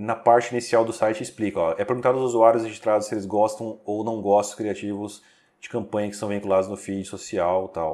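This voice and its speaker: A man speaks in a Brazilian accent with a fairly low pitch. His intonation is monotone and flat, while his loudness swings widely. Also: fairly quick pace. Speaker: YouTube tutorial host. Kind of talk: sales pitch, promotional tutorial. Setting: screen-recording voiceover. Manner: casual and conversational, with filler words.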